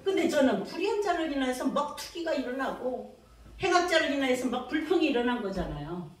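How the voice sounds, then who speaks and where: High-voiced woman pastor in an echoey hall. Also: sing-song, fairly quick, a little hiss or hum. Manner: dramatic, acts out her own prayers and God's replies; calls for amens from the congregation. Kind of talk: revival sermon. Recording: very echoey hall, mic from a distance.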